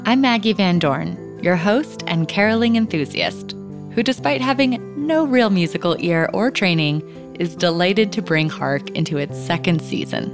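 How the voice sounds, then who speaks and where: A woman hosting a podcast, delivering polished, measured scripted narration. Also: lowish voice, animated, music in the background. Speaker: podcast host.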